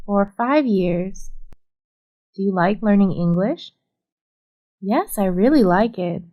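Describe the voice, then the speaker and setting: Slow, deliberate woman for a language-lesson read; mid-pitched, reads both sides of a dialogue evenly. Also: expressive, dull audio. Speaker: English practice reader. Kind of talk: scripted practice dialogue reading.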